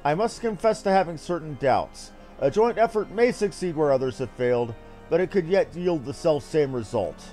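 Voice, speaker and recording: A high-voiced man performs fantasy game dialogue aloud with a very lively, swooping intonation. His delivery is formal and theatrical, and music plays behind him. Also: moderate pace. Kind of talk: dramatic read-aloud of fantasy game script.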